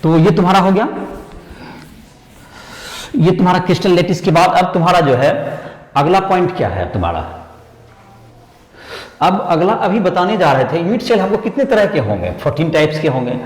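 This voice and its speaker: Animated male chemistry tutor, echoey room. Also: high voice, moderate pace, long pauses. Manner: repetitive rhetorical questions to students, Hindi-English mix. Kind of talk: classroom lecture. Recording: echoey room with long reverb.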